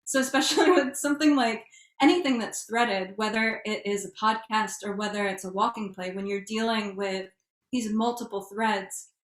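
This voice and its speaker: A woman's mid-pitched voice rings with room echo as she speaks on a panel. Her manner is reflective, feeling her way through ideas. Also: normal speed. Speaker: panelist, writer. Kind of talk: panel discussion. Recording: echoey room sound.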